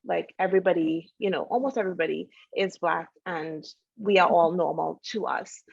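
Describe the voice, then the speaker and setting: A middle-aged woman from Trinidad and Tobago chats casually as an interview guest, often pausing on "you know." Her voice has a noticeable fry. The sound is dry and a little dull, like a modest home setup. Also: fairly low pitch, dry recording. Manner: chatty, many "you know" fillers. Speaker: guest, doctor and founder.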